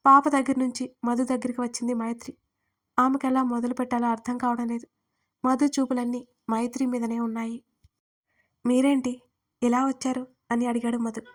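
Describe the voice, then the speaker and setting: A woman storyteller reading an audio story as scripted narration, with even, unhurried delivery. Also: on the high side.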